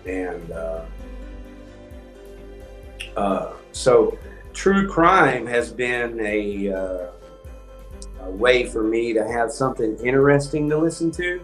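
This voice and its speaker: A man, hosting a livestream and rambling in a calm monotone with many ums. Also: mid-range voice, slow, pauses often, reverberant, faint music behind, low-quality recording. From Texas. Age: 50s. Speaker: house painting business owner hosting a livestream. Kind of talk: rambling casual livestream talk.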